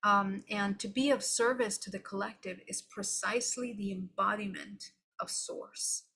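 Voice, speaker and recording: A woman's voice: mid-range voice, steady tone, a little slow, bright, forceful tone, slightly rough. A woman giving an unscripted, live-streamed spiritual teaching to viewers. She speaks in an earnest, reflective way and often checks in with "okay?". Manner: loose and unscripted, with restarts.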